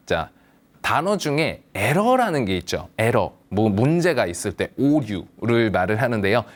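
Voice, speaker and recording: A man teaching a patient English lesson, speaking slowly and encouragingly. His pitch rises and falls a lot as he models words for the viewer to repeat. He keeps reassuring his learners. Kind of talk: slow, patient language lesson for seniors.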